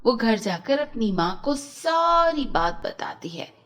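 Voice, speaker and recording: Female storyteller for kids' cartoons: high, lively pitch, slow delivery. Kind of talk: scripted children's story narration.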